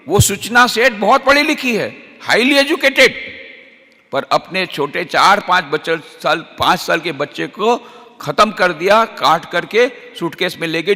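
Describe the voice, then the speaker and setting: Animated high-voiced monk in a hall. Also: male voice. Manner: animated, asks the audience rhetorical questions. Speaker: monk lecturer. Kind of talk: storytelling sermon to teachers. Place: large lecture hall.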